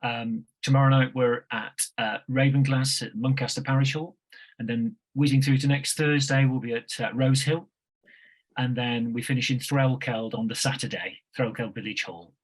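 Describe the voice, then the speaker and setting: A man with a middle-pitched voice talks casually on a video call. He speaks as a member of a touring theatre company. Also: steady tone, normal speed, poor audio. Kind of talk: casual chat.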